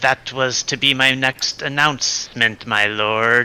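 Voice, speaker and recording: Using a hissing, put-on character voice at a medium pitch, a man speaks at a fairly slow pace. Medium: actual play.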